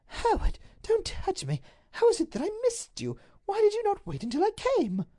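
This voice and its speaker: A woman voicing an anxious aristocratic Duchess, pleading in a high, breathless voice. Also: huge pitch swings, normal speed, mellow, exaggerated voice. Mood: distraught.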